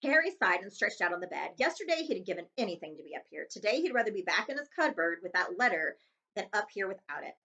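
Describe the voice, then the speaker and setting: A woman reading a children's chapter book aloud as host, with expressive narration. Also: medium pitch, fast.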